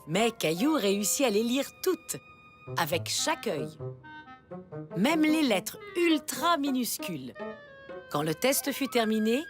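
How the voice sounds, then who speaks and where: A woman playing a gentle storybook narrator, telling a scripted story for small children. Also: fairly high pitch, very animated, slow, long pauses, music in the background. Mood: gentle storytelling.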